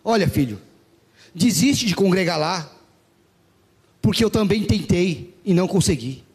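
A man doing a fatherly God, calm, lower, husky voice. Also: a little slow, heavily acted. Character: gentle fatherly God speaking in prayer.

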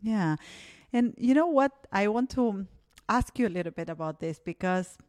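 A woman's voice: medium pitch, expressive, moderate pace, darkish tone, no room sound. Reflective woman from Argentina, dry sound. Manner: reflective, many fillers like "you know" and "like". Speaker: podcast host. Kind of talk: casual interview chat. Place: Berlin.

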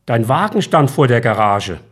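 A man's voice: mid-range voice, big pitch swings, normal speed. A man reading a story aloud, voicing the narrator's grown-up son with a lifted, eager voice. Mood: concerned. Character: young adult son, worried then cheerful.

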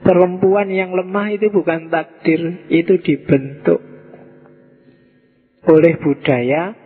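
A man's voice: high voice, steady tone, takes it slowly, breathy edge. A man giving an informal classroom lecture, chatty and full of rhetorical questions. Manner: conversational, asks rhetorical questions. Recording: tinny, echoey hall.

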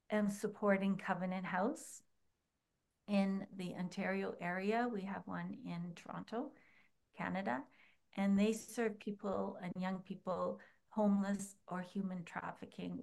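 A woman speaking as a guest author, soft-spoken and earnest, her voice trailing off quietly. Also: on the low side, gravelly. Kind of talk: slow heartfelt talk.

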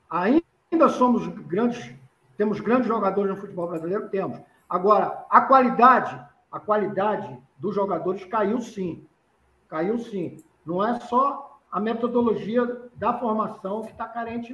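Male pundit from Recife, high voice, repeats points, dull lo-fi room sound. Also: a bit bright. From Recife, Brazil. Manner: explanatory, repeats points for emphasis. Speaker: football pundit. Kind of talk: casual panel discussion. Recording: dull lo-fi roomy recording.

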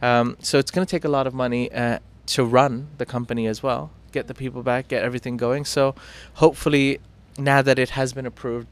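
Chatty British-accented morning show man. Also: medium pitch. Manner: chatty, self-mocking, with fillers and restarts. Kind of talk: casual news chat.

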